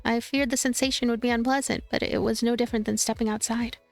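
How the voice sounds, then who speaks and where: A woman hosts a let's play of a visual novel, reading the story as narrator. Her voice is slightly high, with light music playing behind her. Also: fairly even intonation, fast, vocal fry.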